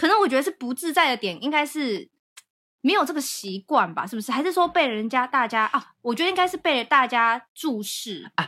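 Over a very clean recording with a silent background, a woman speaks at a fairly quick pace in a high, raised, projected voice with a bright, sharp tone and very wide pitch swings. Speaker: podcast co-host. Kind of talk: casual chat.

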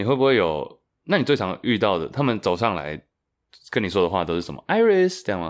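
Lively intonation from a man with a fairly low pitch, at a fairly quick pace, on a very clean recording with a silent background. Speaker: podcast co-host. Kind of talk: casual chat.

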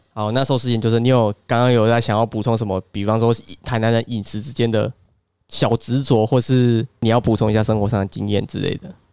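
Against a silent background in a very clean recording, a man talks fairly quickly at medium pitch. His intonation is fairly even, and the sound is dry and close with no echo. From Tainan, Taiwan. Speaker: podcast host. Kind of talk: casual chat.

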